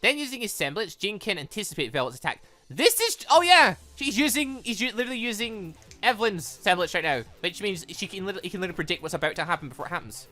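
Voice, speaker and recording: An excitable gaming YouTuber reading a visual novel aloud and commenting on it in an animated, exclaiming manner. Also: medium pitch, fast talker, hardly any pauses. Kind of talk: let's play commentary mixed with reading dialogue aloud. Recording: music behind the voice. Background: video game music.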